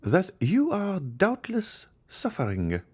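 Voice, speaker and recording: A worldly society baroness, as a male narrator raises his voice to play her, confiding and unhurried. The voice sits well above his own and swings widely, leaning on each word with polished ease. A storybook reading of a classic novel. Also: high-pitched, wildly swooping pitch, a little mellow, slightly rough, voice pushed up, full character voice. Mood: concerned. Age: middle-aged. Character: worldly middle-aged baroness, smooth and gossipy.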